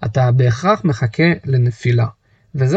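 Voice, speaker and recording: Lively intonation marks a man's somewhat breathy, medium-pitched voice as he speaks at a very slow pace. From southern Israel, Netivot. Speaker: podcast host, former army officer, educator. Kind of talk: solo monologue podcast.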